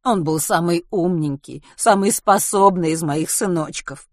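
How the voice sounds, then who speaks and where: A woman's voice: lowish voice, a little slow, no echo, studio quality, natural voice. A woman reading an audiobook and voicing a fretful, tearful middle-aged mother who laments emphatically about her sons. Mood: tender.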